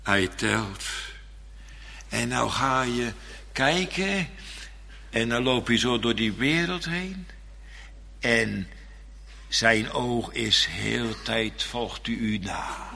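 A man's voice: mid-range voice, slow, gravelly, long pauses, bright, forceful tone. A male minister delivering an earnest, repetitive Reformed sermon in a church. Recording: long church reverb.

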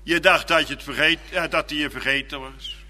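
A man preaching a sermon in slow, fervent phrases, dropping now and then to a quiet, drawn-out delivery. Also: on the high side, steady tone, long reverb tail.

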